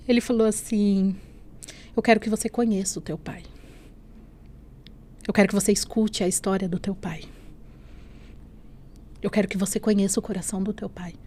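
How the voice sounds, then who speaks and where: Mulher brasileira contando seu testemunho. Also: female voice, mid-range voice, mellow. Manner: earnest, often adds "né?" and "assim". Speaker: guest telling her testimony. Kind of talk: emotional personal testimony in a podcast interview.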